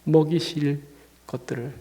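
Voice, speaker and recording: A senior pastor in a church sanctuary shares a personal story during his sermon, his voice on the high side, dark in tone, measured in pace, with little pitch movement. He's fighting a cold and feeling dizzy, yet he speaks conversationally and builds to emphatic peaks on key points. The recording carries a long church reverb.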